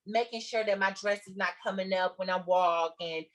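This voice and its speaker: A woman's voice: medium pitch, moderate pace. A woman from Texas with a Southern Black American accent, telling a story casually and emphatically, repeating herself for effect. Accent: Southern African American English.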